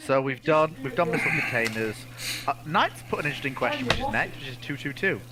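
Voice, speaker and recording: A man's voice: mid-range voice, expressive, fast, a crowd in the background, low-quality recording. A man co-hosting a casual question-and-answer chat in an informal, conversational style. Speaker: co-host helping track audience questions.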